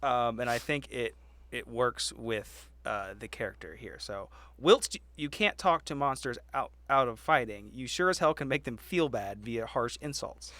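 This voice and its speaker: Bright-voiced man chatting over a tabletop game. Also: medium pitch, animated, moderate pace, dry recording. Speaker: player in a tabletop roleplaying podcast. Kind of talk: casual game chat, reading rules aloud.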